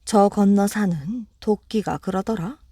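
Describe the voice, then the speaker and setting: A woman's voice: medium pitch, unhurried, dark tone, breathy edge, no echo, studio quality. A woman voicing a mother magpie in a bedtime storybook reading. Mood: defiant. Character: frightened grieving mother magpie.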